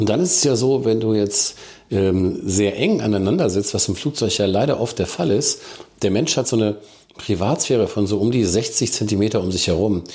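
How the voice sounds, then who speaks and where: A man speaks at a moderate pace with a fairly low pitch and a dark, mellow tone. His voice is somewhat breathy, with ordinary pitch variation and very even loudness. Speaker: podcast co-host, airline pilot. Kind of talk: casual chat.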